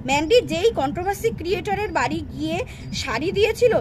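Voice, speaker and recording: Woman, extremely high voice, confrontational vlog commentary, scolding, repetitive rhetorical questions. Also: lively intonation, quick pace, background noise. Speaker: YouTube commentary creator. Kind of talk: unscripted roast commentary.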